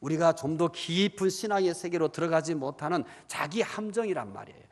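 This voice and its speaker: Male pastor preaching, fairly high voice, lively, keeps asking the crowd stuff, long church hall echo. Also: a little fast. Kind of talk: sermon.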